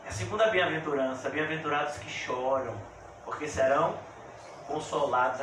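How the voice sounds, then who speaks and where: A male pastor preaching a sermon, moving between soft, intimate asides and loud, fervent exclamations. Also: on the high side. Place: church. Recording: echoey church hall, voice from a distance, faint hiss.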